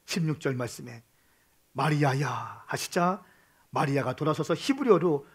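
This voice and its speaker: Male pastor, sermon, fairly high voice, shouts then drops soft, repeats lines for emphasis. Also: expressive, moderate pace. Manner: impassioned, swings from shouting to soft hushed tones; repeats phrases for emphasis, calls for amens.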